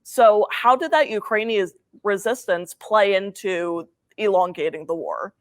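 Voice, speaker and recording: A young woman hosts a student radio interview and asks her prepared questions politely and evenly. Her voice sits at a middle pitch for a woman. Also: a little slow.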